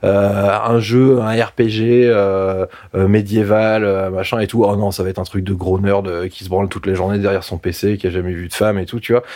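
With a dark, mellow tone and fairly low pitch, a man talks at a moderate pace with hardly any pauses. His intonation stays monotone and flat. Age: 30s. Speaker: podcast panelist. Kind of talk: casual chat.

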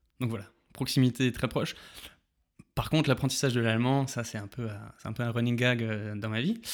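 The delivery runs at a fairly quick pace but with long, frequent pauses and fairly even intonation, on a very clean recording with a silent background. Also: man, medium pitch for a man. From north-eastern France, Moselle. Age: 30s. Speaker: software developer and entrepreneur. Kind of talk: casual interview. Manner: hesitant, many fillers.

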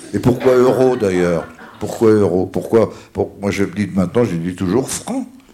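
A man's fairly low voice at a very slow pace, fairly even in intonation, with noticeable background noise. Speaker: poet and author. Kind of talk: literary conversation. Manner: halting, many repetitions.

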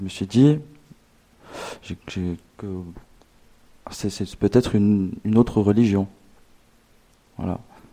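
Speaking at a fairly slow pace with long, frequent pauses, a man keeps a fairly low pitch with ordinary variation while his loudness swings a lot. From Morocco. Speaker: baptism candidate. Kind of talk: testimony. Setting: church. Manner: halting.

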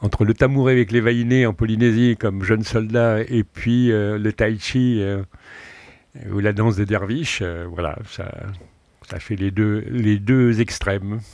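A man's very slow, fairly low-pitched speech with fairly even intonation and long, frequent pauses, on a very clean recording with a silent background. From France. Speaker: breathing expert and author. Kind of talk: interview.

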